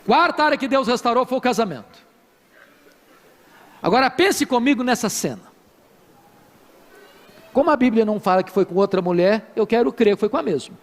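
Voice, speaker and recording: Brazilian man, pastor, very high voice, preaching in a reverberant hall with a faint congregation; lively, humorous storyteller. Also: moderate pace, pauses often. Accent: Brazilian Portuguese. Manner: animated, humorous storytelling with acted quotes. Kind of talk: sermon. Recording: live hall with long reverb.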